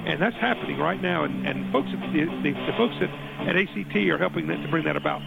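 A man hosting a radio interview in a rough, gravelly, hoarse voice, repeating phrases for emphasis. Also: fairly high pitch, a little fast, rough recording. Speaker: radio talk show host.

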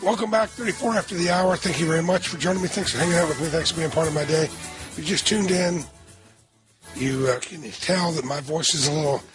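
A hoarse older man hosts a radio talk show. He talks in a chatty, rambling way and often restarts his sentences, and his voice sits a little high for a man. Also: a little fast, music in the background.

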